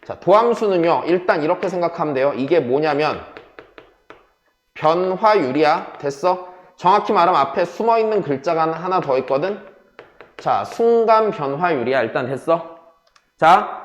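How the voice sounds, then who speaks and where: A man's voice: fairly high pitch, reverberant, muffled recording. A man teaching a math class, switching between casual and polite speech and often checking whether students follow. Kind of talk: classroom lecture.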